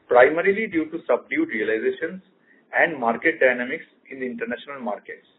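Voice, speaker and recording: A man's voice: mid-range voice, slightly rough. A man with an Indian accent reading out a scripted financial report as chief financial officer on a conference call. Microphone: conference call line. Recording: thin phone-like conference line.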